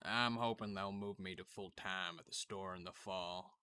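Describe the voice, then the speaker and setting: Middle-aged father male actor, argumentative and matter-of-fact, low and forceful, audiobook drama. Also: fairly even intonation, normal speed, clear, resonant tone. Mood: weary, defensive. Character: Dad, opinionated middle-aged father who enjoys arguing.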